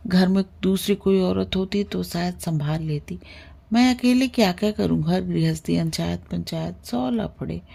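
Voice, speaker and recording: A woman voicing a grieving, stern widowed older village man who speaks in a heavy, halting way in a storybook reading. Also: medium pitch, creaky, dark tone.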